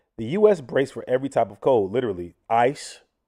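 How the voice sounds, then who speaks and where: The sound is dry and close with no echo, against a quiet background. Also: man. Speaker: livestream commentary host. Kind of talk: casual solo commentary livestream. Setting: apartment, livestream. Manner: loud; animated, halting with many repeats.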